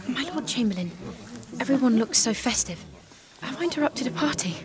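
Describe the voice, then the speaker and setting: Young devout peasant maiden played by a woman, earnest and bold, higher voice, for audio drama. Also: animated, brisk, crowd noise, close to an everyday voice. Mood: puzzled, polite.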